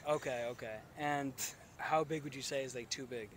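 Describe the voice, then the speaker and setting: A man's voice: medium pitch, steady tone, normal speed, slight background noise. A young man hosting a casual outdoor street interview, asking rambling, filler-heavy questions into a handheld phone and laughing often. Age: young adult. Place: outdoors on a college campus. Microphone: phone held in hand.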